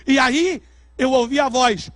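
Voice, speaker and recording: A Brazilian male pastor with a strikingly high voice tells a story from the pulpit. His delivery is dramatic and swells into shouts at the peaks. The sound is close and dry, with almost no room echo. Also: unhurried. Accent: Brazilian Portuguese. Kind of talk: sermon testimony. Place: church service.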